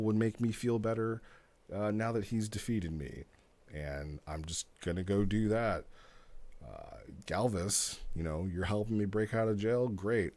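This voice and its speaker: A man's voice: deep voice, a little mellow, natural voice. A man playing a selfish martial-arts villain from a roleplay, ruled by violent impulse, blunt and casually menacing.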